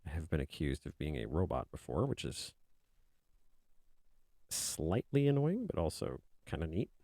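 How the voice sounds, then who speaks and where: Male artist streamer, deep soothing voice, rambling easygoing chat with fillers, dry close sound. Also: sing-song, moderate pace, dry recording. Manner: rambling, soft-spoken, many fillers. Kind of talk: casual chat while drawing on a live stream.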